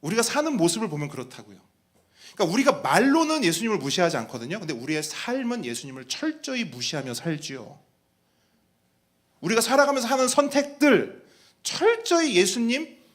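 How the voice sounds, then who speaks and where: Guy pastor preaching, high voice jumping all over, acts out sneering lines, keeps asking the church stuff. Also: very animated, normal speed. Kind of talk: sermon.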